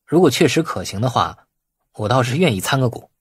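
A man's voice: medium pitch, sing-song, brisk, slightly rough, dry recording, clean studio sound. A man narrating an audiobook voices a cautious, shrewd company boss who speaks in a tentative, probing way. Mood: feigned interest. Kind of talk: audiobook dialogue.

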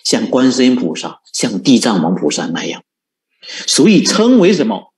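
Lively, animated male Buddhist preacher. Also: mid-range voice, normal speed. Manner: rhetorical questions, lively and coaxing, chuckles often. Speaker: Buddhist monk teaching. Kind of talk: sermon.

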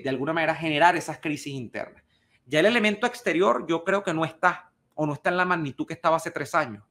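A middle-aged Venezuelan man talks in a casual commentary voice that sits a little high. He reasons carefully and cautiously, and he often stops to restart a word. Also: a bit bright. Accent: Venezuelan Spanish. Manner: thoughtful, cautious, repeats and restarts words. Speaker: political commentator answering a viewer question.

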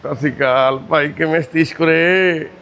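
A man chatting gently and reassuringly with residents of a shelter, greeting the women as mothers and sisters. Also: a little high, moderate pace, vocal fry, a little hiss or hum. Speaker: charity volunteer visiting residents. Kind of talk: casual chat with care-home residents. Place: indoor shelter for destitute people.

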